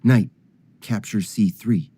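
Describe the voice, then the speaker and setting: A weary male android, played by a man, in a film drama. The voice is soft-edged and dark, moving slowly through formal, carefully measured phrases with quiet curiosity. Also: on the low side, slightly rough. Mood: calm, formal.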